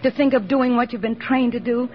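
An actress playing an earnest young army nurse, talking in a reflective, confiding way in a 1940s radio drama, on a muffled old broadcast recording. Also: female voice, a little high, steady tone, a little fast, slight background noise, natural voice. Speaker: lead actress.

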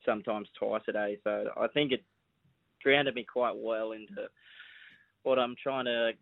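A young Australian man talks casually about his riding life in a relaxed, modest way. His voice comes through a thin, phone-like line. The sound is dry and close. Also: on the low side, measured pace, gravelly, dry recording. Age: young adult. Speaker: apprentice jockey. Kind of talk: casual chat.

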